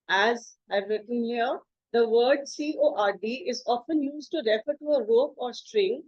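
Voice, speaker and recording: A woman teacher giving a slide presentation on English words, explaining slowly, spelling words out and pausing on fillers. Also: fairly high pitch, a little mellow, no echo, highs cut off.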